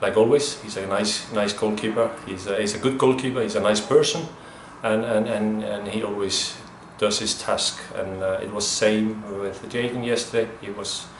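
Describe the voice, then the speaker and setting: A man with an Icelandic accent speaks at a moderate pace in a fairly low pitch, his intonation fairly even, with audible room echo and light background noise. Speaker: football goalkeeper coach. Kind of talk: interview. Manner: halting. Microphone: webcam.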